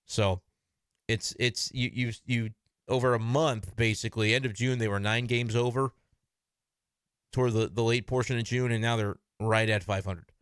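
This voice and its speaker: A man's voice: medium pitch, steady tone, moderate pace, fairly bright tone, smooth, no echo, studio quality. A man giving casual, frank solo commentary on his baseball team from his computer desk, talking in an opinionated, conversational way.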